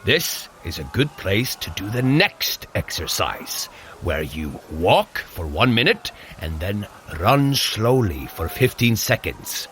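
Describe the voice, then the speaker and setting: An actor playing a boisterous, jovial Norse warrior god who coaches a mortal runner in a scripted audio drama. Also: male voice, sing-song, slow, fairly bright tone, slight background noise, exaggerated voice. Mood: encouraging, amused. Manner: jovial, theatrical, booming commands. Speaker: fitness trainer guiding a run.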